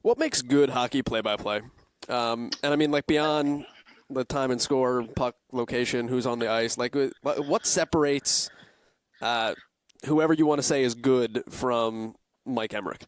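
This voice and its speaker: A man's voice: medium pitch, measured pace, clean tone, no room sound. A podcast host asking interview questions, rephrasing as he searches for the right words.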